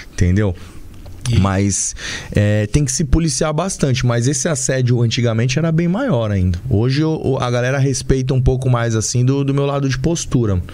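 There is audible room echo and noticeable background noise. A man talks at a moderate pace with medium pitch and ordinary pitch variation. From São Paulo, Zona Norte. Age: 30s. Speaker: personal trainer and bodybuilder. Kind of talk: casual chat.

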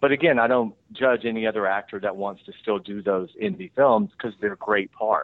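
Here is a man with a plain, everyday voice at a fairly low pitch. He talks at a fairly quick pace with ordinary pitch variation. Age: 50s. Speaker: actor. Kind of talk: casual chat. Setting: phone call.

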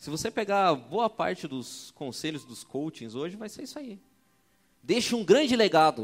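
An animated man with a high pitch, very wide pitch swings, and a Brazilian accent. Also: moderate pace, very clean recording, silent background. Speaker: pastor. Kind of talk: sermon.

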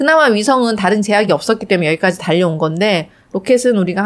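A woman with a normal speaking voice talks at medium pitch with ordinary pitch variation. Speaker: physicist who builds satellites. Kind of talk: interview.

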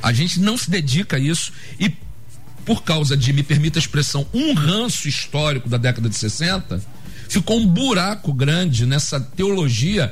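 A man speaks at a moderate pace in a fairly high pitch, his pitch swinging very widely while his loudness stays very even, with audible room echo and noticeable background noise. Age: 50s. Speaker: Baptist pastor. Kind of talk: panel debate on radio.

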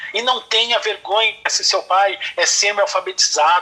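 A man uses a raised, projected voice with a high pitch. His pace is fairly slow. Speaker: university professor. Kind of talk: interview.

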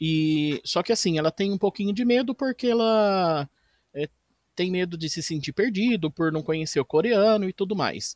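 A man's high-pitched voice with lively intonation at a moderate pace, dry and close with no echo, on a very clean recording with a silent background. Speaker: live stream host, teacher. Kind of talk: live stream chat.

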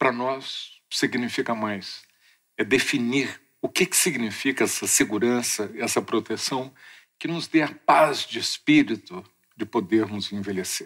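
A man's medium-pitched voice, a plain, everyday voice. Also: ordinary pitch variation, fairly slow pace. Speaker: physician and ageing researcher. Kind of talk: lecture.

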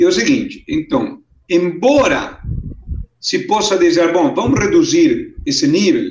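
A man speaks with an Argentine accent. His pitch swings very widely. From Argentina, Buenos Aires. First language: Spanish (speaking Portuguese). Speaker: economist. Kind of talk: interview. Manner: halting, with frequent repetitions.

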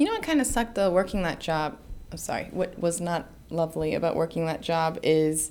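With an American accent, a woman speaks at a fairly low pitch with lively intonation in an unremarkable speaking voice. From Northern Virginia, US. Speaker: language teacher. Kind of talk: casual interview chat.

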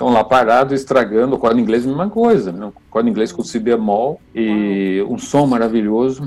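A man speaks at a fairly quick pace with hardly any pauses. His pitch is medium, with ordinary variation. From Brazil. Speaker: oboist and retired music professor. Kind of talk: interview, casual storytelling. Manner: animated.

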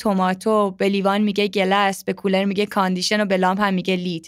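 On a very clean recording with a silent background, a woman speaks very fast. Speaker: podcast host. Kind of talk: travel podcast interview. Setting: studio.

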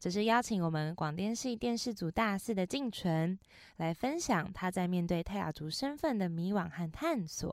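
A woman's normal speaking voice at medium pitch and a moderate pace, with lively intonation, on a very clean recording with a silent background. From Taiwan, Hualien (Amis). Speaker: student radio host. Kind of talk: casual interview chat; scripted show intro.

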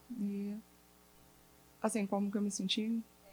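A woman is speaking. She keeps a moderate pace. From Teresópolis, Rio de Janeiro state, Brazil. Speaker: therapy participant from the audience. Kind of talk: personal testimony in group therapy. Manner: halting.

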